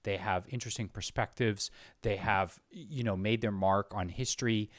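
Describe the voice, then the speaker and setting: A man hosts a casual interview show in a lowish voice. He talks earnestly and with open admiration for his guest. The sound is dry and close, with little room to it. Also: normal speed, dry recording. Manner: earnest, effusive praise of guest. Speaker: show host.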